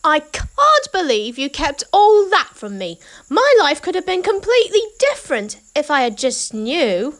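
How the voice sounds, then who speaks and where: A woman's voice: high voice, huge pitch swings, unhurried, hardly any pauses, a bit bright, exaggerated voice. A woman playing a sincere, troubled and hesitant young princess in an amateur audio drama. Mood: upset.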